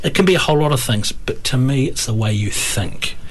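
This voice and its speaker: Amid noticeable background noise and audible room echo, a man talks at a fairly quick pace with lively intonation. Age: 50s. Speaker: business lecturer and mentor. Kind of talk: interview. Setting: radio studio.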